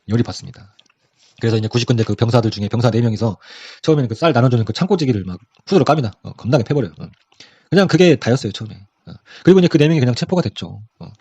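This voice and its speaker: Fast-talking man giving a chatty history lesson. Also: medium pitch, mellow, husky, no room sound, muffled recording. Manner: fast, chatty, acts out quotes with voices. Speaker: history lecturer. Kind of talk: casual exam-prep history lecture.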